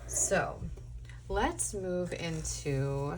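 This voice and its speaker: A woman giving a casual spoken tarot reading, her voice going hoarse, meandering and thinking aloud with many ums. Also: lowish voice, expressive, very slow, a little hiss or hum. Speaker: tarot reader.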